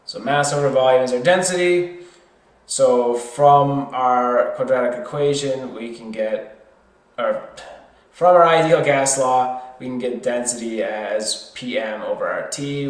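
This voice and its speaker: A man with a mid-pitched voice gives an informal lesson at a slow pace. He thinks aloud as he explains each step, correcting himself as needed. The sound is roomy and echoey. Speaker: tutor. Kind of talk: worked chemistry problem lesson, explained step by step.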